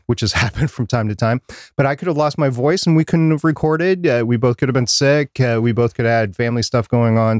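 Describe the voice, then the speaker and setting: A man's voice: mid-range voice, darkish tone, no room sound, studio quality. A middle-aged man co-hosting a podcast about podcasting, chatting casually and rambling with frequent restarts. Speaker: podcast co-host.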